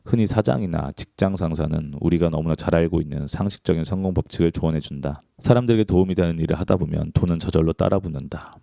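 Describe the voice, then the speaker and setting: A man with a very low, gravelly voice reads a book aloud in a calm, measured audiobook style. His tone is dark and mellow, and the recording is close and dry with no room sound. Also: no room sound. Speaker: book reader.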